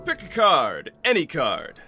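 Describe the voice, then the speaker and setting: A man's voice: on the high side, wildly swooping pitch, unhurried, over music, full character voice. A man playing a showy magician hungry for applause in an audio drama, with a theatrical showman's delivery.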